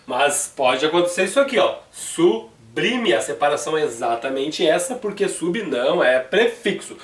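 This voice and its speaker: A man's voice: a little high, expressive, normal speed, roomy sound, distant mic. A Brazilian Portuguese-speaking man teaching a video grammar lesson, explaining rules step by step in a chatty way and often checking in with his students.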